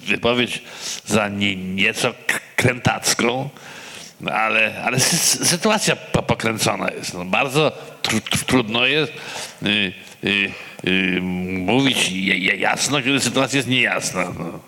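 A man giving halting spontaneous remarks at a public discussion, with a pronounced stammer that repeats syllables. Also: lowish voice, sharp tone. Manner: halting, hesitant. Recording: reverberant hall.

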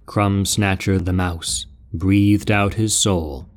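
Deep, slow-spoken male narrator. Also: steady tone. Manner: grave, measured storytelling. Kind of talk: scripted epic narration.

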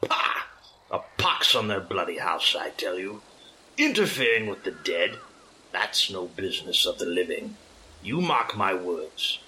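A man voicing a demented, hostile old male vagrant with an aged, weary, cracking voice and slow, growling rants. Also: deep voice, very animated, sharp tone, slight background noise, exaggerated voice, low-quality recording. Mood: furious. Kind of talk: audiobook character voice.

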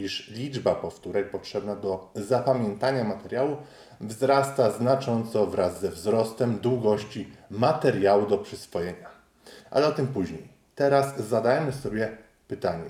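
A man giving a scripted, measured explanatory narration for an educational video. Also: lowish voice, a little mellow. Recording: roomy echo.

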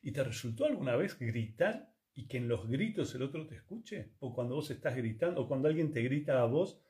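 A man, teaching yoga and conscious communication in a calm, reflective talk full of rhetorical questions. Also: mid-range voice, fairly quick. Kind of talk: reflective spiritual talk to listeners.

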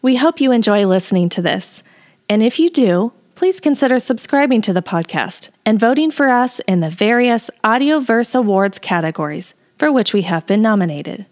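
A woman's voice: fairly high pitch, expressive, moderate pace. A woman presenting a podcast, reading a scripted introduction in a formal announcing manner.

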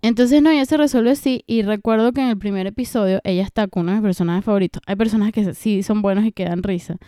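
A woman's voice: medium pitch, fast, no room sound, studio quality. A young woman who chats casually and rants about a TV series, swearing freely as she goes. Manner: animated, ranting, swears freely. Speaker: vlogger reviewing a TV series. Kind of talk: casual chat.

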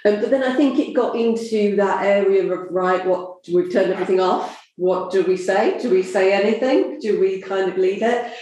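A woman with a southern English accent chats casually about marketing, hesitating often with fillers. Her voice sits at a middle pitch and rings in a very echoey room. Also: moderate pace, few pauses, dark tone. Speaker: podcast co-host.

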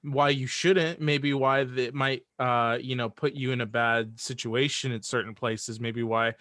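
A man with a medium-pitched voice talks as a guest in a casual, opinionated discussion. He is earnest and repeats himself to press a point, in a dry recording. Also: steady tone, a little slow, pushed and bright, dry recording. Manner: earnest, repeats phrases for emphasis. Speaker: podcast guest.

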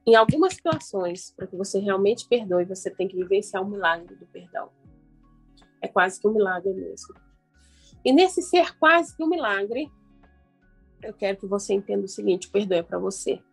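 A woman's voice: mid-range voice, animated, normal speed, vocal fry, slightly rough. A Brazilian woman hosting a motivational self-help radio program, instructing listeners directly with emphatic repetition and guided declarations, with music behind her.

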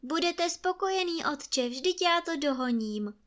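A clever young lad, voiced by a woman reading a fairy tale, speaking high and eager. He coaxes and pleads earnestly, with a youthful lift in every line. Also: animated, a bit bright. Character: clever, eager young boy, the woodcutter's son.

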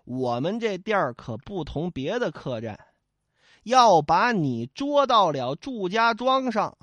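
A male storyteller voicing a young inn waiter who complains in a shrill, whining way. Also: very animated, slow pace, a bit bright, dry recording, exaggerated voice. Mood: threatening.

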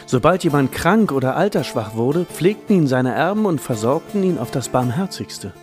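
Casting: male history narrator, slightly high pitch, lively scripted read over faint guitar music. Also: moderate pace.

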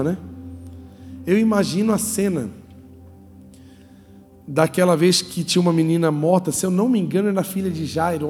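A Brazilian Portuguese-accented male pastor preaching in a humorous, animated storytelling style, acting out characters in a church hall. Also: high-pitched. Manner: humorous, animated, acts out voices. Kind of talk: sermon told as lively storytelling. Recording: reverberant hall, faint music.

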